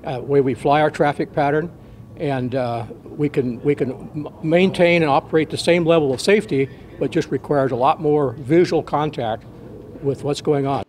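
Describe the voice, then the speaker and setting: Older man, higher-pitched, being interviewed. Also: normal speed, a little mellow. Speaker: veteran pilot. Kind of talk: unscripted interview answers. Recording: background noise.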